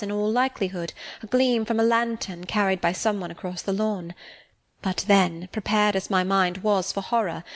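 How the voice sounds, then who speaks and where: Woman reading a classic novel aloud. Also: mid-range voice. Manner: measured, expressive reading. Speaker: audiobook narrator. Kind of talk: scripted narration.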